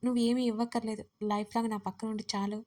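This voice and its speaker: A loving young man speaks gently and reassuringly, as a female storyteller reads his part. His voice is fairly high and stays steady and even. It sounds soft and pleading. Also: quick pace, natural voice. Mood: tender. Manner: soft, soothing, tender pleading. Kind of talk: audio story reading.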